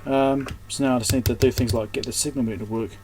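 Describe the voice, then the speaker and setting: Man, mid-pitched voice, hands-on repair narration, muttered short fragments, thinking aloud, noticeable workshop noise behind. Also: steady tone, fast talker, a little mellow. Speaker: electronics repair technician and host. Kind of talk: unscripted hands-on repair commentary. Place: indoors at an electronics repair workbench.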